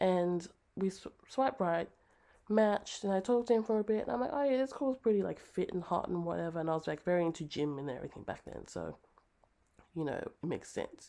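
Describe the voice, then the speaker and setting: With an Australian accent, a woman speaks in a dark, mellow tone with lively intonation. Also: medium pitch for a woman, fairly quick pace, quiet background. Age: 30s. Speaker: podcaster. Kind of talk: casual solo monologue about personal experiences. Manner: casual, chatty, laughs often.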